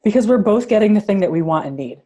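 A woman's voice: mid-range voice, animated, quick pace, warm tone. Tinny, metallic-sounding woman podcast host. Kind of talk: podcast introduction and interview chat. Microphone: laptop's internal microphone. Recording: tinny built-in laptop microphone.

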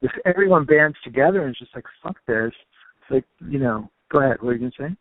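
A man's voice: mid-range voice, expressive, fast, no echo. Musing man on a tinny line. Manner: musing, loose, many fillers. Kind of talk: casual chat.

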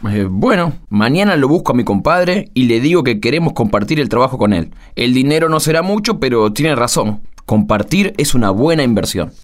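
A man plays a humble workshop craftsman in a radio play, explaining himself to friends. His mid-pitched voice has an Argentine accent and a colloquial, slightly hesitant delivery. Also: animated, fairly quick, hardly any pauses, lightly acted. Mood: sheepish, explaining. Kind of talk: radio theatre dialogue.

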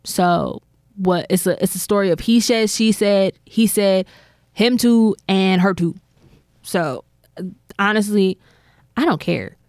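A woman's voice: medium pitch, darkish tone, no room sound, clean studio sound. A woman co-hosting a podcast, retelling gossip in a chatty, meandering way full of fillers. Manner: chatty storyteller, drawn-out filler-laden retelling. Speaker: podcast co-host. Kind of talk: casual gossip chat.

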